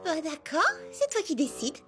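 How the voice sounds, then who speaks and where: A woman voicing a sweet, polite, sensible little girl heroine in a cartoon dub, with expressive delivery. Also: extremely high pitch, moderate pace. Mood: puzzled, gentle. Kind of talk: French cartoon dubbing. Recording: loud music behind the voice.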